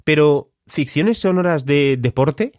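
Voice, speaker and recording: A man hosting a podcast, reading his questions and closing promotions in a measured, read-aloud manner. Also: a little high, lively intonation, darkish tone, no echo, studio quality. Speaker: podcast host. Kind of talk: scripted podcast narration.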